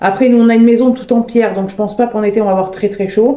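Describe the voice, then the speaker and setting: A woman's voice with fairly even intonation. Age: 30s. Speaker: home vlogger. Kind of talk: casual vlog chat. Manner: hesitant, many filler euh.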